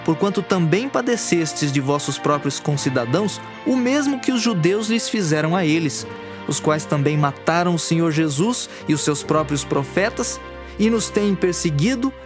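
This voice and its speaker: Man, Brazilian accent, somewhat high pitch, earnest declamatory scripture narration, scripted, music underneath. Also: lively intonation, moderate pace. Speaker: scripture reader. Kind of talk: scripted dramatic audio Bible reading. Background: background music.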